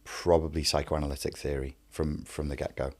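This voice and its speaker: Man from the Wirral, Scouse accent, extremely low voice, fluent storyteller. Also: little pitch movement, fairly quick. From Wirral, England. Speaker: interview guest, life coach. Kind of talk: telling his life story in an interview.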